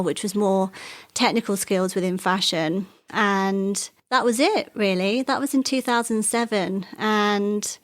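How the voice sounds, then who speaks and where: Welsh-born woman telling her story. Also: medium pitch. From Wales. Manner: chatty, relaxed storytelling. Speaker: guest. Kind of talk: interview conversation.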